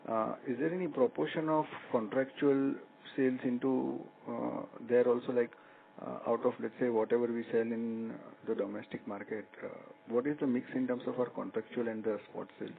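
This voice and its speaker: Analyst caller, male, creaky mid-range voice. Polite, halting, heard over a telephone line. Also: mid-range voice, little pitch movement. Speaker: analyst asking questions. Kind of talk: earnings call questions. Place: conference call by phone. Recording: narrow phone line with faint hum.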